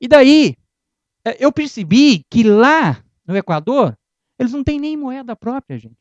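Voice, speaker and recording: A middle-aged man giving a humorous motivational lecture, telling anecdotes and acting out the dialogue as an animated storyteller. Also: extremely high pitch, measured pace, no echo. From Brazil. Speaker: guest lecturer. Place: lecture hall. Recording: dull lo-fi dry lecture recording.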